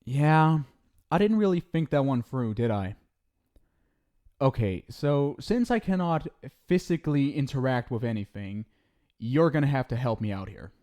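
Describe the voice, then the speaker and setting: A man's voice: medium pitch, expressive, a little slow, dark tone, natural voice. A man voicing an exasperated male ghost soulmate from the afterlife who swears while scolding and stumbles over restarts when he explains himself, in an ASMR roleplay. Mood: sheepish fumbling.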